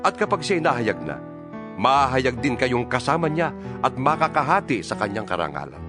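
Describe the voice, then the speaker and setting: Male actor as apostle, Filipino accent, solemn and earnest scripture exhortation, very expressive intonation, music bed. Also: medium pitch, lightly acted. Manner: solemn, emphatic, measured exhortation. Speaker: Bible reader voicing an apostle's letter. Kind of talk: dramatized scripture reading.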